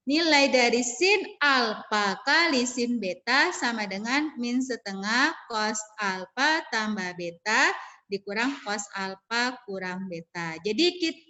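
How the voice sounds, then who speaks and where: A woman's voice: a little high, bright, forceful tone. A woman teacher, leading an online math class over a video call, calling on students by name and walking through formulas step by step.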